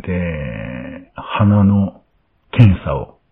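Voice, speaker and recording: A man hosting a podcast, chatting casually and telling a story in an animated way, acting out the lines of the people in it. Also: low-pitched, drawn-out words, creaky, husky. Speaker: podcast host. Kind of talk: casual chat. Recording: dull lo-fi sound.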